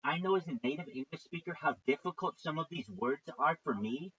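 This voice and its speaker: A man's voice: a little high, expressive, fairly bright tone, husky, dull audio. A man coaching a caller over a call, full of encouragement and praise. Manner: encouraging, praising, slow and reassuring. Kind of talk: casual video call coaching.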